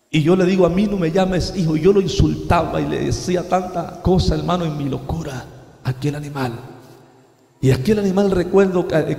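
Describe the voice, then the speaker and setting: A man tells his testimony from the pulpit, his voice high and gravelly. He swings from hushed passages to shouted outbursts and keeps calling out to his listeners. The sound rings through a large, echoing hall. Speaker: preacher giving a testimony. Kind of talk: dramatic testimony sermon. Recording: echoey hall with long reverb.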